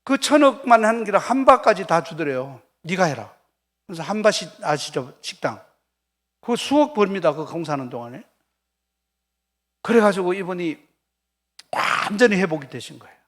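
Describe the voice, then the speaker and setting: A man's voice: high voice, sing-song, normal speed, pauses often, fairly bright tone. An older man preaching a revival sermon as a pastor, telling stories with acted quotes and questions put to the congregation. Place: church sanctuary.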